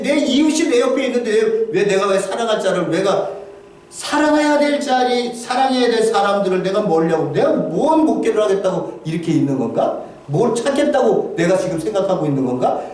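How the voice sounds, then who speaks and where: Male pastor with a high voice, delivering a heartfelt testimony sermon full of restarts, picked up from afar in a booming, echoing church. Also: big pitch swings, darkish tone. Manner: halting, emotional storytelling with many restarts. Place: church sanctuary. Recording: very echoey hall, voice from far off.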